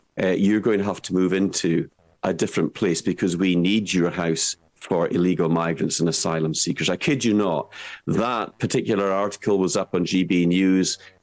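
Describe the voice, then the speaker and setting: With a very deep, low pitch and a Scottish accent, a man speaks at a moderate pace in very even loudness and fairly even intonation against a quiet background. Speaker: political commentator. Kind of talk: interview. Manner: halting, repeats words.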